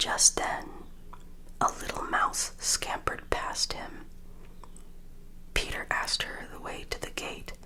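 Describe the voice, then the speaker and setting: Whispering at a fairly slow pace, a woman speaks with big swings in loudness and long, frequent pauses over noticeable background noise. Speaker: ASMR creator. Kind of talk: whispered story reading for sleep. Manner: whispered, soft.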